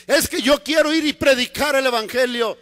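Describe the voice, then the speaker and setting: A man's voice: extremely high pitch, moderate pace, a bit bright, in a large hall, pitched above the performer's own voice. A man voicing a proud, eager man who insists on doing things his own way, in a sermon. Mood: insistent. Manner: insistent, raised and stammering. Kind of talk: acted quote in a sermon.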